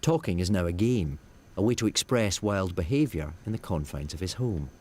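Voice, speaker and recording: A man's voice: low voice, expressive, normal speed, a little mellow. A man narrating a scripted nature documentary. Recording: noticeable background noise.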